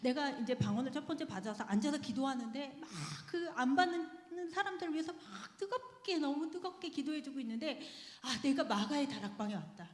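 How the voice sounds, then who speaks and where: A woman gives a personal testimony in church, telling her story in a lively way and laughing between phrases. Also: sits high, fairly quick, hardly any pauses. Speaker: church member giving testimony. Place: church sanctuary. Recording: echoey sanctuary with long reverb.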